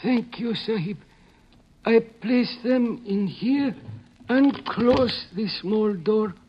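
Scared servile henchman, really high voice, slow halting broken english, old radio show. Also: a little hiss or hum. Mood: deferential, explaining. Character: frightened, servile foreign henchman pleading for his life. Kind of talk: 1950s radio drama acting. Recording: dull lo-fi old radio recording.

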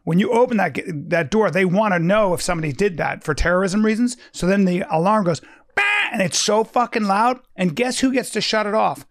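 A man's voice: sits high, brisk, hardly any pauses, dry recording, studio quality. A man in casual chat, telling stories bluntly, with swearing and many restarts. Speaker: podcast co-host.

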